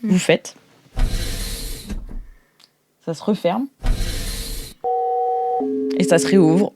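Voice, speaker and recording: A woman with a French accent improvising narration as game master of a sci-fi tabletop game, informal and descriptive, halting as she searches for words. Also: on the low side, background noise.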